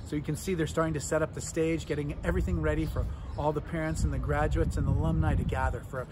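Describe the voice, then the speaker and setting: A man's voice: fairly high pitch, level tone, fast talker. Earnest middle-aged man, outdoor sermon. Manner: warm, earnest, conversational with fillers. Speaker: cathedral dean. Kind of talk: reflective short video sermon. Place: outdoors by a stone chapel. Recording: outdoor street noise behind.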